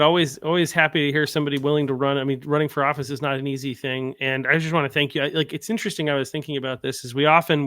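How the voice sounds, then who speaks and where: Bright-voiced man hosting a podcast. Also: mid-range voice, no room sound, studio quality. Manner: rambling, many fillers and restarts. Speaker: podcast host. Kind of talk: casual interview.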